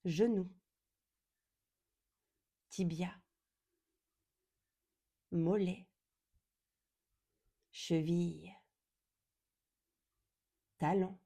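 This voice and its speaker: A woman guiding a yoga nidra meditation in a calm, gentle, soothing way, speaking deliberately and leaving long pauses. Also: on the low side, husky. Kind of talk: slow guided meditation.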